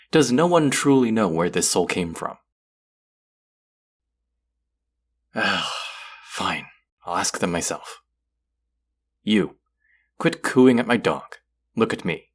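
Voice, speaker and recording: An actor playing a stern, haughty god of the underworld in an audio roleplay, speaking formally with an exasperated, grudging manner. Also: male voice, low voice. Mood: irritated, commanding. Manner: imperious, exasperated, formal speech with sighs. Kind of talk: scripted character audio roleplay.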